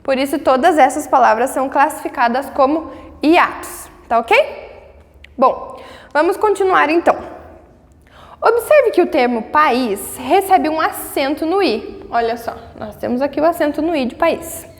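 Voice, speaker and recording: A Brazilian woman teaching a grammar lesson, patiently checking in with her students and sounding out words slowly syllable by syllable. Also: high voice, animated, big-room sound. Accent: Brazilian Portuguese. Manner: patient, checks in often with tags.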